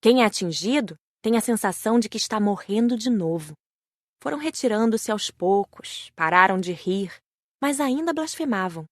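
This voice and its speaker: Female audiobook narrator, Brazilian accent, medium pitch, very dry studio-like sound. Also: expressive, moderate pace, dry recording. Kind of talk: scripted narration.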